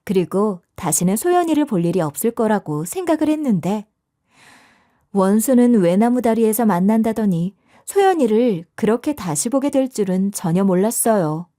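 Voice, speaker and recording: Woman storyteller, confiding conversational narration, expressive. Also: mid-range voice, normal speed.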